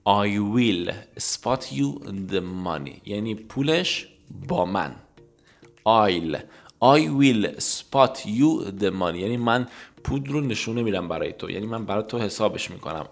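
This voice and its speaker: A man teaching an English lesson, repeating English phrases slowly and then explaining them in Persian, his native language. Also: fairly low pitch, creaky.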